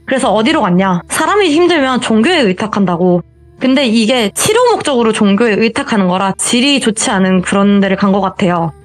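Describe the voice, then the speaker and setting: A woman's voice: medium pitch, animated, fairly quick, soft background music. A woman telling a true horror story in a conversational, wry way.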